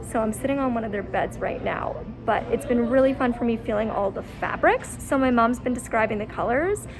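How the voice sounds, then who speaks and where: A woman's voice: a little high, animated, brisk, music in the background. A woman in her twenties, from Canada, chatting casually in a vlog, full of "like" and "um" fillers. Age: 20s. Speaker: vlogger. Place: at home, then a furniture store.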